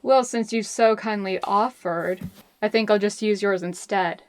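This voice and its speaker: A woman's voice: mid-range voice, a little slow, clean tone, close to an everyday voice. Woman playing a brash, world-weary spy. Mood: sardonic. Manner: sardonic, blunt, foul-mouthed. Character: hard-drinking, brash, grieving female spy searching for lost love. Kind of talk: audio drama acting.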